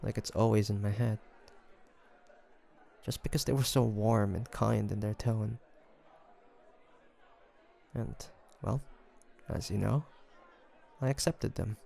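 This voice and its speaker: A man playing a guarded young demon hunter in an intimate audio roleplay, hesitant and confiding, with a softer side showing through. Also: lowish voice, steady tone, takes it slowly, creaky, long pauses, a faint crowd. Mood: wistful, confiding.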